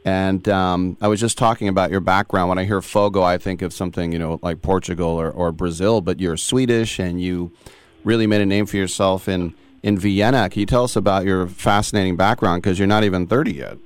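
A man's voice: deep voice, fairly even intonation, brisk, clear, resonant tone. A man hosting a radio show, interviewing a guest in a casual way with frequent restarts. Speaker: sports radio host.

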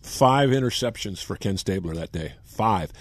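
Husky older man telling sports stories. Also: lowish voice, moderate pace, no room sound. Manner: animated anecdotes, acts out quotes. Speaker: sports broadcaster. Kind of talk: casual storytelling chat.

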